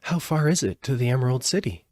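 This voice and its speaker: A man voicing a polite, kind and curious little girl from a storybook, speaking gently. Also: mid-range voice, animated, quick pace, no echo, clean studio sound, voice pushed up, lightly acted. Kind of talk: storybook character voice.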